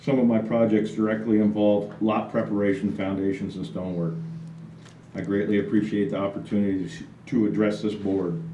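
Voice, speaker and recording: A man with an American accent, fairly low in pitch with a dark, mellow tone, fairly even intonation and a fairly quick pace, in audible room echo. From New York state, Hudson Valley. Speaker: masonry business owner. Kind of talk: public comment. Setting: town board meeting.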